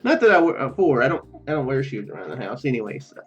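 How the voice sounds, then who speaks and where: A man doing casual game commentary and reading visual novel text aloud, rambling, halting and often correcting himself. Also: mid-range voice, very animated. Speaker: let's play video host. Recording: muffled lo-fi mic, music behind. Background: game music.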